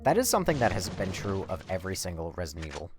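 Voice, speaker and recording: A man doing casual live game commentary, rambling and swearing as he thinks out loud. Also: low-pitched, sing-song, racing, over music. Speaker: live streamer. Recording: faint background noise.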